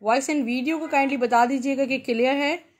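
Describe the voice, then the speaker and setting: A woman with a Pakistani accent hosting an informal live shopping sale, pitching repetitively and mixing in English words. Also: fairly even intonation, fairly quick. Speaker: live-sale host selling clothes.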